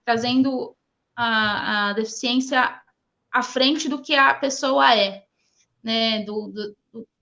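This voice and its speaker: A woman with a Brazilian accent speaking as an interview guest, conversational and halting, often stumbling over her words. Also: a little high, gravelly, pushed and bright. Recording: dull, lo-fi online audio.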